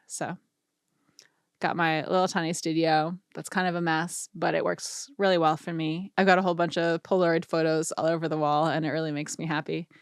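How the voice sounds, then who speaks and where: A low-pitched woman in her forties talks through a mixing tip in a loose, rambling way, nerdy and self-deprecating. Her voice is worn out and starting to go after hours of talking. The sound is close and dry from a small home studio. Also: dry recording. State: voice tired and going hoarse. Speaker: audio engineering teacher and YouTube host. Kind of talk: casual tutorial talk to camera. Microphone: studio vocal mic.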